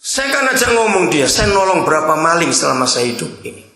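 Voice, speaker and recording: A male preacher telling stories from the pulpit and voicing each person in them. His pitch swings widely and his tone is bright and forceful. The sound rings around an echoey church hall. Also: fairly quick. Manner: storytelling, animated, acts out dialogue. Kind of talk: sermon.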